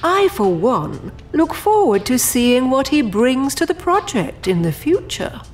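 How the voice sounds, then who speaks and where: Haughty high-voiced overseer, animated delivery. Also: female voice, unhurried, faint music behind. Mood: haughty, composed. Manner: formal, haughty, precise diction. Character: proud, formal female overseer of an infernal project, defensive. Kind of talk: audio drama acting.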